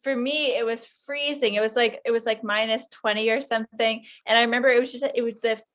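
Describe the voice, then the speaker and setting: A woman's voice: a little high, fairly even intonation, quick pace, fairly bright tone. A woman with a Canadian accent chatting casually as a podcast co-host. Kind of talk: casual chat.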